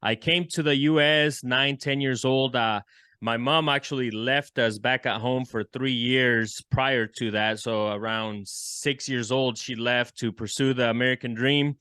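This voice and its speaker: A man from El Salvador, a musician and entrepreneur, telling his story in a relaxed, friendly way as a podcast guest. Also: medium pitch, unhurried, clean tone, no echo, studio quality. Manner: relaxed, friendly, with frequent fillers. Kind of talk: casual interview storytelling.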